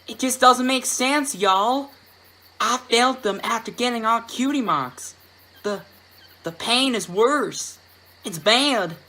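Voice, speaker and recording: A man's voice: very high-pitched, lively intonation, slow pace, sharp tone, voice pushed up, exaggerated voice. A man voicing an anxious, pained young country filly pony with a pleading, folksy drawl in a horror story. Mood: pained, worried.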